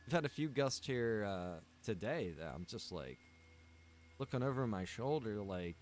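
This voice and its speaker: A man's voice: on the low side, sing-song, normal speed, slight background noise. A man livestreaming from a room at home, chatting casually with his viewers in a rambling way full of "like" and "man". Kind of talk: casual chat with stream viewers.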